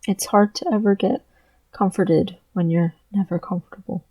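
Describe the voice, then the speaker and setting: Trans man, personal vlog, halting, earnest, mellow gravelly tone, dry close sound. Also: steady tone, no room sound, low-quality recording. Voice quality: low voice with gravelly fry. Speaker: vlogger.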